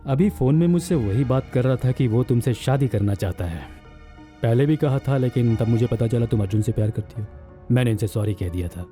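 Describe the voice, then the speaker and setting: An actor dubbing a doting, wealthy businessman elder brother who talks in a soft, measured, polite way. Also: medium pitch, close to an everyday voice. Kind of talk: dubbed film acting.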